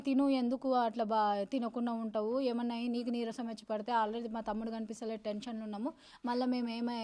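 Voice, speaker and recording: A woman, giving an urgent news interview as the victim's elder sister. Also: a little high. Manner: agitated, rapid and insistent; urgent, grieving recounting.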